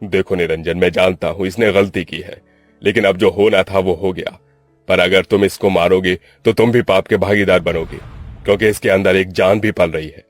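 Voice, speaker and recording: A man voicing a calm older village elder in a cartoon, reasoning firmly. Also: low-pitched, moderate pace, no echo, faint music behind.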